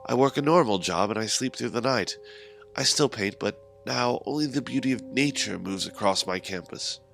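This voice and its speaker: A man's voice: mid-range voice, lively intonation, moderate pace, vocal fry, a bit bright. A man narrating a scripted first-person horror story. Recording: music under the voice.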